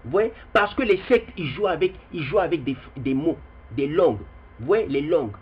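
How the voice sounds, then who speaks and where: A man's voice: a little high, lively intonation, moderate pace, a little hiss or hum. A young man speaking straight to his viewers in a rambling video commentary, repeating himself as he goes. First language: Kikongo heritage language. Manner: rambling, repeats words, addresses viewers directly. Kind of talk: spoken video commentary with readings. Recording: dull lo-fi recording.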